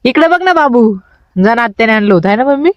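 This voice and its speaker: A woman's voice: animated, a little fast, no room sound, highs cut off. Chatty village woman with a stuffy nose. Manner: chatty, coos at the baby in a high voice. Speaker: family vlogger. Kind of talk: casual vlog narration. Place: outdoors on a family farm.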